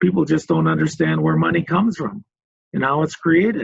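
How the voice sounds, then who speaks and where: A man talks in a somewhat breathy voice. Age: 70s. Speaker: furniture company founder and chairman. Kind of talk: Q&A answer at a club meeting. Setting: video call.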